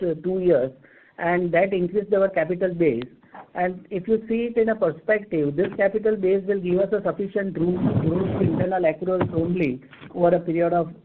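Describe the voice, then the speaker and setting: An executive man with an Indian accent gives methodical, formal explanations on an earnings call. His voice sits a little high. The sound is narrow and tinny, as over a telephone line. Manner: formal, methodical, enumerating points. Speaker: company executive answering investor questions. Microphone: telephone conference call.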